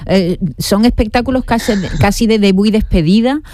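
A woman's voice: medium pitch, moderate pace, darkish tone, dry recording, studio quality. A woman interviewing guests, chatty and admiring, with fillers. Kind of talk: radio interview.

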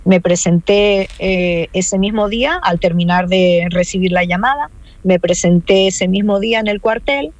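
A woman's voice: mid-range voice, normal speed, dry recording. A woman in an interview telling her own story, earnest and insistent, repeating key points. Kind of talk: emotional personal account.

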